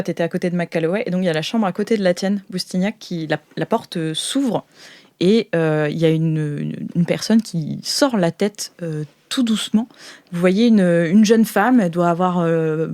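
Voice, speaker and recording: A woman's voice: lowish voice, darkish tone. A woman narrating an improvised tabletop role-play as game master, descriptive and searching for words as she goes.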